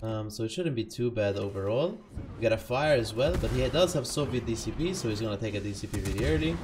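A man's voice: on the low side, animated, fast talker, background noise. Chatty man commenting on his gameplay. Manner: chatty, self-correcting, laughs at himself. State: just woke up.

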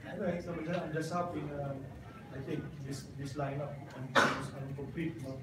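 Filipino coach in an echoey press room. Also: male voice, fairly high pitch, fairly even intonation. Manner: mixes Filipino and English, halting with many fillers. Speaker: basketball coach. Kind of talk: post-game press conference. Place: press room with sponsor backdrop. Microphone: table microphones, heard from a distance. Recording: very echoey room, distant mic, loud noise.

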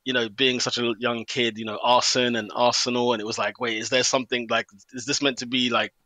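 Guest, thirties man, rapid bright delivery, animated storytelling, dry mic. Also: medium pitch, no room sound. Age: 30s. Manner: quick, animated storytelling with laughs. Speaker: stadium announcer, guest. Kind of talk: conversational interview.

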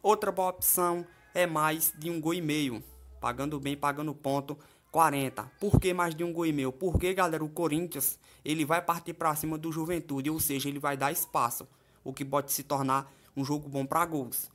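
A man talks through football betting tips as a voice-over on a screen recording. His voice sits a little high for a man, and he keeps it chatty, checking in with his viewers as he goes. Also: fairly even intonation, normal speed, a bit bright. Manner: chatty, keeps asking "tá certo?" and "né?". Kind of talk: casual screen-share commentary. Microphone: voice-over over a phone screen.

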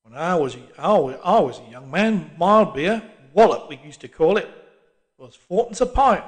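A man's voice: sits high, lively intonation, moderate pace, voice pushed up. A man voicing a grumbling, pugnacious old working-class Londoner in an audiobook. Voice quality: gruff, pugnacious. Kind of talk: audiobook character voice.

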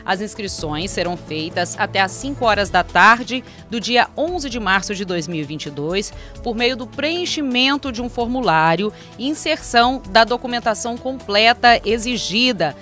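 A woman's voice: on the high side, lively intonation, normal speed, few pauses, fairly bright tone, faint music behind. A young woman reading a city news bulletin in a small radio studio, adding chatty asides. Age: young adult. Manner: reads from paper with chatty asides. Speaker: news presenter. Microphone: studio mic on desk.

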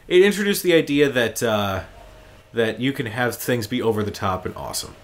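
A man's voice: medium pitch, lively intonation, moderate pace, slight background noise. Informal man chatting as gaming host. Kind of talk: casual gameplay commentary.

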